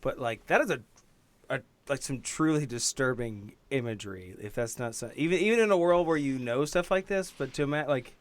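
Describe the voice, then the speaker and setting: A man chatting casually at a tabletop game, halting and rephrasing as he goes. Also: mid-range voice, animated. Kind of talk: casual chat.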